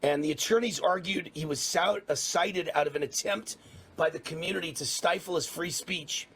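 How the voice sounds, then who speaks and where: A man's voice: on the high side, normal speed, fairly bright tone, a little hiss or hum. A middle-aged man from New York hosting a political talk show, ranting with fiery emphasis. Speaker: talk radio host.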